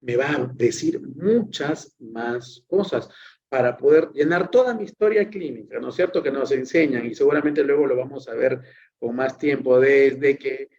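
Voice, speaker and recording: A man's voice: medium pitch, normal speed, darkish tone. Chatty lecturing man, dull lo-fi sound. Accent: Peruvian Spanish. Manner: chatty, digressive, acts out patient and therapist dialogue. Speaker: psychology lecturer. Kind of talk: classroom lecture.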